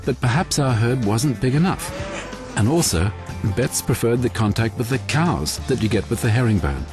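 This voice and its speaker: A man plays a reflective dairy farmer who muses aloud with a lively rise and fall in his voice. Soft music plays behind. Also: mid-range voice, moderate pace, close to an everyday voice. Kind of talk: scripted promotional voice-over.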